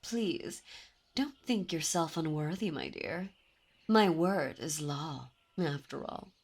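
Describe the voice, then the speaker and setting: A woman voicing a dominant, possessive demon princess in an ASMR roleplay, speaking in a silky, commanding way with soft whispers. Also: sits low, animated, slow, breathy edge, exaggerated voice. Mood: seductive. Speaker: voice actor. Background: birdsong and ambient sound effects.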